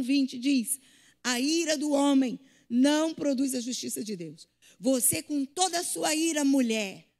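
A woman preaches a sermon with a high voice and a gravelly rasp in it. She moves between loud and soft and acts out the voices she quotes. Her voice rings with a long reverb from the hall.

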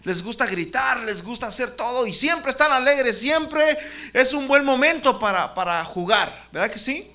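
A man preaches to a group of children, pitching his voice high. His tone is bright and lively, and he keeps turning to the kids with questions, calling on them by name. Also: moderate pace. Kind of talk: children's sermon.

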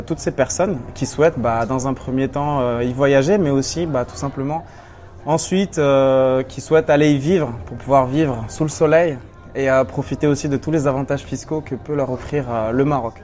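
A man's voice: mid-range voice, a little fast, a little mellow. A young man from Morocco, guest in a casual interview at a seminar, answering in a hesitant, easygoing way with many fillers. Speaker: guest blogger. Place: seminar venue.

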